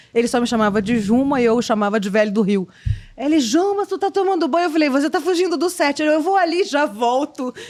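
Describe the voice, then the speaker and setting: The speaker is a woman with lively intonation. She talks at a fairly quick pace. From Brazil, Espírito Santo (Cachoeiro de Itapemirim). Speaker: TV journalist. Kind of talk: casual interview chat. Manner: animated.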